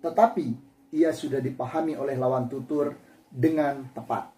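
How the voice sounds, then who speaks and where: A man teaches a language lesson in a classroom, explaining patiently and repeating words to act out example intonations. His voice is mid-range and dark-toned, with fairly even intonation and a moderate pace, and the sound is roomy.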